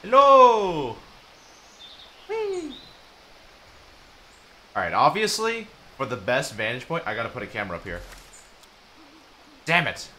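A young man talks over a survival game he is playing, cracking jokes and swearing freely. His voice is bright and lively, leaping up and down in pitch, and he bursts out loud when startled. A faint hiss sits under the recording. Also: fairly quick, long pauses. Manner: joking, swearing, loud outbursts. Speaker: gaming YouTuber. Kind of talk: let's play commentary.

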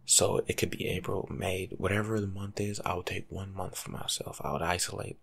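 A young man doing soft-spoken ASMR as a laid-back, rambling life coach, husky and often slipping into a whisper. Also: deep voice, little pitch movement, a little fast. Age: young adult. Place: small room at home.

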